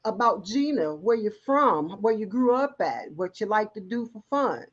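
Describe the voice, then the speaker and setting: A talk show host interviews a guest on a recovery show, asking encouraging questions and frequently restarting her sentences. Her medium-pitched voice is expressive at a normal speed, and the highs are cut off.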